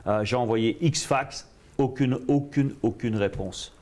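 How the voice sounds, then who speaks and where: A man, a guest coach telling his story in an interview, animated and repetitive, slipping in English phrases. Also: mid-range voice, unhurried. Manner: animated, repeats himself, drops English phrases.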